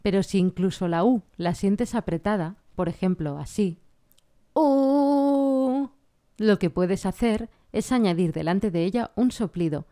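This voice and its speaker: A woman vocal coach explaining singing technique in a clear, patient way. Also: lowish voice, normal speed, few pauses, dark tone. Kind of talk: singing lesson with sung vocal examples.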